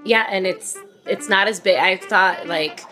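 A woman's voice: mid-range voice, a little slow, sharp tone, soft background music. A woman co-hosting a podcast, chatting casually and acting out quoted asides, recorded at a busy conference. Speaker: podcast co-host. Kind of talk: casual chat.

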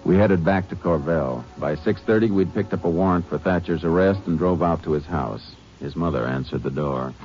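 An actor playing a stern Texas Ranger who narrates and questions firmly, in 1950s radio drama style. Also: male voice, sits low, moderate pace, few pauses, a little mellow, faint music behind, lightly acted. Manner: firm, clipped questioning. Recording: dull old radio broadcast.

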